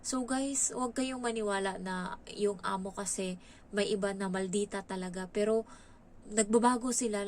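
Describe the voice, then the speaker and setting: A woman from the Philippines chatting casually in a storytelling vlog, lively and animated as she quotes the people in her story. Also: mid-range voice, a little hiss or hum. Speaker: vlogger, domestic helper.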